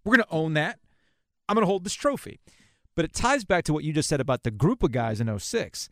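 A man hosting a conversational sports podcast, telling stories in a casual, slangy way with animated asides. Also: fairly high pitch, fairly quick, dry recording, studio quality.

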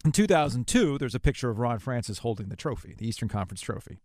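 A man with a mid-range voice hosts a sports podcast in a dry, close recording. He talks conversationally, like a fan swapping stories, with casual slang and animated asides. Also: medium pitch, fast, dry recording.

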